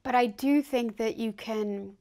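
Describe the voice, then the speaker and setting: A woman's voice: fairly high pitch, unhurried, dark tone. A woman hosting an interview, speaking earnestly and agreeing with emphasis. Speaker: host. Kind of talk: conversational interview.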